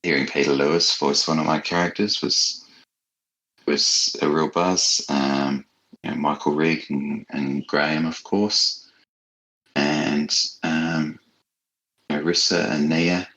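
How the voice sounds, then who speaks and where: A man with an exceptionally deep voice talks casually as a guest writer in an interview. He is reflective and appreciative, a little hesitant as he forms his thoughts. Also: flat delivery, takes it slowly, sharp tone, low-quality recording.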